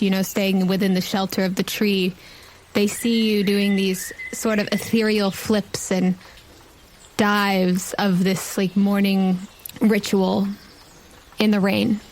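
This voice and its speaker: A woman runs a tabletop role-playing game as game master, setting scenes in descriptive narration. She takes her time at a medium pitch, with faint noise behind her. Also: low-quality recording.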